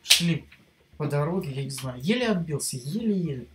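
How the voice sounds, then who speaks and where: A man's voice: a little high, lively intonation, moderate pace, very noisy. A man in his twenties casually chatting with strangers in a video chat from his bedroom. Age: 20s. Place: bedroom, indoors.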